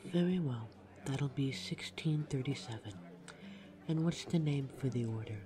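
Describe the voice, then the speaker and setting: A man's voice: medium pitch, moderate pace, dark tone, close to an everyday voice. A man playing a courteous but snide vampire barista in an audio roleplay, polite, dry and teasing. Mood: dry, civil. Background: music behind the voice.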